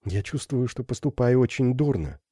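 A man's voice: medium pitch, lively intonation, normal speed, slightly rough, dry recording, studio quality, voice pushed up. A man doing a shy, tender young Gypsy girl. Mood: tender, pleading. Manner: soft, pleading, lightly raised voice.

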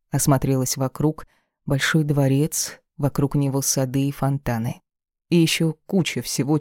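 An audiobook reader telling a first-person story in a calm, wry manner. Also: mid-range voice, no room sound, clean studio sound.

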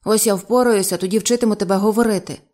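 A woman's voice: medium pitch, fairly even intonation, fast, darkish tone, lightly acted. Woman playing a meek male zookeeper, flustered, apologetic, storybook voice. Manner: apologetic, mumbling.

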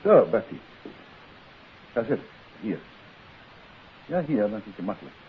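A calm, self-assured gentleman detective in an old radio mystery. His low voice moves expressively as he speaks with deliberate, theatrical authority. The recording is muffled, with a faint hiss. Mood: courteous, businesslike. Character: calm, authoritative male detective, devoted husband. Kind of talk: 1950s Dutch radio drama acting.

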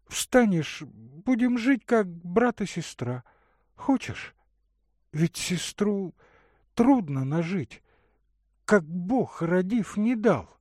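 A gentle young woman tends to a sick man in a soft, singsong lilt, as a man reads her part in a high, lively voice. The delivery is unhurried, and the recording is close and dry. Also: no echo, heavily acted. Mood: tender.

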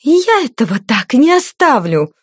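A woman's voice: high-pitched, big pitch swings, unhurried, breathy edge, no room sound, clean studio sound, pitched above the performer's own voice, exaggerated voice. A woman reading an audiobook, voicing a spiteful, haughty noblewoman who hisses and snaps at her servant. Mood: furious. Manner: hissing, snapping, haughty. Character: spiteful, shrill noblewoman, domineering mistress of a page.

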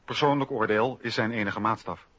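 A man's voice: fairly low pitch, brisk, a bit bright, breathy edge. A man narrating a scripted historical radio documentary in a factual, declarative way. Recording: dull radio recording, faint noise.

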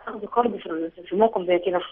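A woman with an Egyptian accent calling in, hesitant and halting but urgent. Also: medium pitch, breathy edge. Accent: Egyptian Arabic. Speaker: caller. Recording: narrow phone line.

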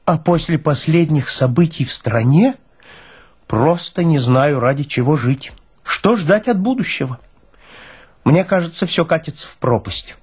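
Fussy male army medic played by a man, self-pitying and theatrical, raised swooping pitch, clouded voice over faint music. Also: expressive, unhurried, breathy edge, exaggerated voice. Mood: gloomy despair. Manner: pleading, lamenting, theatrical.

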